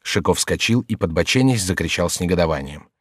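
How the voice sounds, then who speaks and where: A man narrating a classic novel in a measured, even storytelling manner for an audiobook. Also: low voice, husky, dry recording, studio quality. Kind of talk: scripted literary narration. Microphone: close studio mic.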